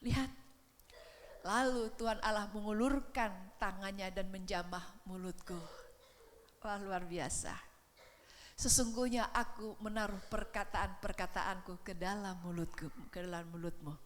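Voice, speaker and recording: A middle-aged woman preaching a sermon in a church, swinging between hushed whispers and shouts. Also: mid-range voice, steady tone, a little slow, long reverb tail, slight background noise.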